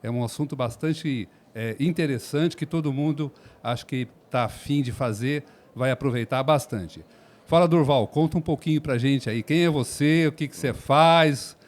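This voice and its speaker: A man from São Paulo hosting a podcast interview, friendly and quick with short acknowledgements. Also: mid-range voice, a little mellow. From São Paulo, Brazil.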